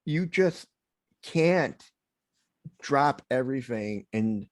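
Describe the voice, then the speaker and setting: A man's voice: medium pitch, animated, extremely slow, no room sound. A man hosting a podcast interview, asking questions plainly and chatting casually. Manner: direct, reads questions plainly. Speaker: podcast host.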